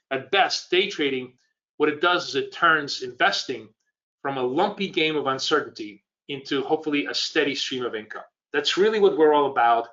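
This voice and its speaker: A man's voice: a little high, sharp tone, lo-fi sound. A man with a cold and a scratchy voice, teaching trading in a live webinar, talking loosely and quizzing his viewers. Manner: rambling, conversational, quizzes the audience. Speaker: trading educator.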